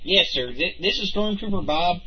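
A man's voice: sits high, expressive, normal speed, faint music behind. A man playing a harried male trooper squad leader who sounds exasperated. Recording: noisy lo-fi home recording.

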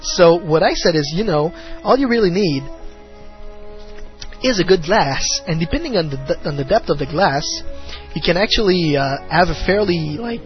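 A man with an expressive voice on the high side hosts a casual fan talk show podcast at a moderate pace, rambling with plenty of fillers and restarts. The audio is muffled and lo-fi, with faint music.

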